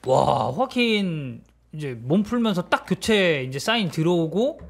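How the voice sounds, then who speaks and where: A man on a football talk show, telling stories in a casual, animated way, with many drawn-out fillers. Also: on the high side, vocal fry. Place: studio.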